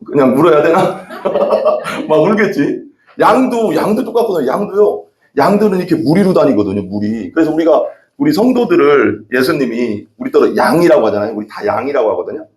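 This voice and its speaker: A man's voice: a little high, animated, fairly quick, hardly any pauses, a little mellow. A man preaching a casual, conversational sermon, often asking the congregation questions. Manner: chatty, asks the congregation questions. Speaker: pastor. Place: church sanctuary. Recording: echoey church room.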